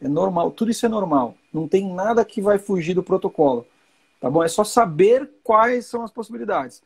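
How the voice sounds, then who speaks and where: A man's voice: sits high, animated, brisk, vocal fry, breathy edge. A man in his forties hosting a live chat, explaining with reassurance and repeating key points. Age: 40s. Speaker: host.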